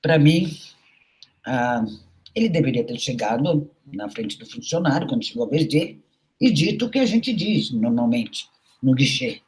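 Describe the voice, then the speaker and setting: A woman's voice: very deep voice, lively intonation, moderate pace, a little mellow, low-quality recording. A middle-aged woman, a university professor, giving a recorded lecture in an anecdotal, storytelling way with frequent conversational tags.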